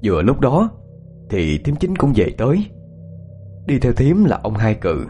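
A man narrating a ghost story in a measured tone. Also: mid-range voice, wildly swooping pitch, mellow, faint music behind.

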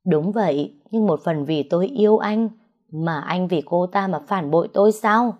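A woman's voice: lowish voice, normal speed, dull audio, natural voice. A woman voicing a scheming, jealous young woman who taunts and sneers. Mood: taunting.

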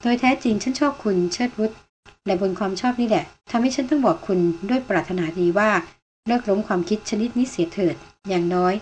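A woman voicing a worldly foreign woman in her thirties who speaks frankly and warns gently, in an earnest, measured storybook reading. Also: mid-range voice, slight background noise, close to an everyday voice.

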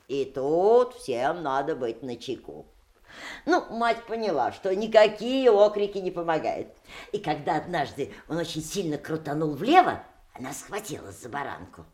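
An actress playing an expressive woman who tells rambling family anecdotes in a theatrical audio drama. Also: low voice. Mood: amused recounting.

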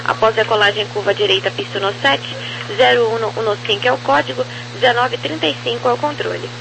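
A man's voice: very high-pitched, brisk, vocal fry. A man with a Brazilian accent giving clipped air traffic control instructions over aviation radio. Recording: noisy, humming radio transmission.

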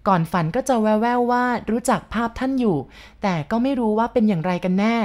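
A woman's voice: a little high, a little fast, a little mellow, pitched above the performer's own voice, lightly acted. A woman reading a novel aloud, voicing a shy and devoted teenage girl who speaks politely and hesitantly. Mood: earnest.

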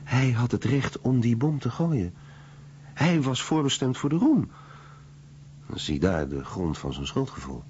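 A man's voice: medium pitch, very animated, a little slow, long pauses, a little mellow. A man acting a fascinated witness in a dramatized radio documentary voice-over. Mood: fascinated, emphatic. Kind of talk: dramatized Dutch voice-over of testimony. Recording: dull recording with hiss.

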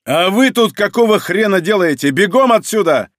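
A man voicing a gruff male squad captain who barks orders and swears coarsely. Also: mid-range voice, lively intonation, unhurried, a little mellow, no room sound, studio quality. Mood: shouting.

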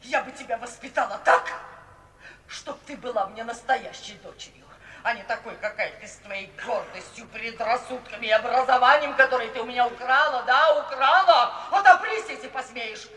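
A woman's voice: fairly high pitch, moderate pace, bright, forceful tone. An actress playing a bitter, self-pitying, vengeful middle-aged mother in a melodramatic 1950s radio play style. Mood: raging. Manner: melodramatic, wailing, declamatory. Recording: roomy, distant 1950s radio recording, faint hiss.

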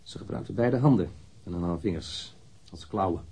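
An actor playing a blunt, candid man in his thirties, a witness answering police questions matter-of-factly in a husky voice in a radio drama. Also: sits low, expressive, moderate pace, warm tone, heavily acted. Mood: frank, blunt. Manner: matter-of-fact, precise, blunt. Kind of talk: radio drama interrogation acting.

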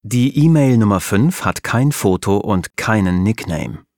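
A male narrator reading a learner's story in short, clear sentences. His voice sits on the low side and moves very slowly, recorded close with a dry, deadened sound. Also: animated, darkish tone, dry recording. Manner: clear, simple sentences, careful pacing. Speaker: audiobook narrator. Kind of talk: slow scripted narration for language learners.

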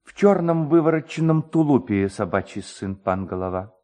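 A man's voice: mid-range voice, animated, normal speed, mellow, natural voice. A man voicing a skinny, fawning, indignant village clerk with a singsong, complaining manner in a dramatised story. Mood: aggrieved.

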